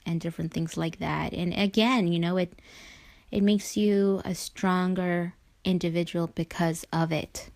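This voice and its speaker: Lowish-voiced woman hosting a casual show. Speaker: show host. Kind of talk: casual conversational interview.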